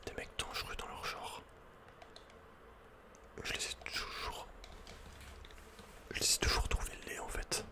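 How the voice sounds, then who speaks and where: A man's voice: measured pace, long pauses. A man giving casual, slangy ASMR commentary on a video game, muttering with the odd mild swear word. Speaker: ASMR gaming streamer.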